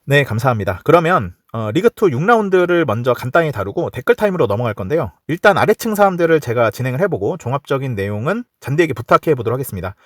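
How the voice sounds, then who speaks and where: A man hosts a casual football podcast, talking quickly with a lively, swinging pitch. He rambles and restarts his sentences often. The sound is close and dry, with no room echo. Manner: rambling, heavy on fillers and restarts. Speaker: podcast host.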